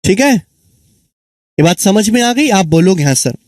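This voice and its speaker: Guy teaching exam maths, high voice, repeats stuff, quizzes the kids, dry close mic. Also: expressive, takes it slowly, a little mellow, no echo. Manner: repeats answers, asks students questions; calls students children and friends. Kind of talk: exam-prep maths lesson.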